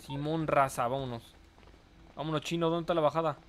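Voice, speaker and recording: Excitable Mexican man streaming a game. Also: a little high, a little fast, a little hiss or hum. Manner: excitable, joking, slangy, greets viewers. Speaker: gaming streamer. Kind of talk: live gameplay commentary, reading chat.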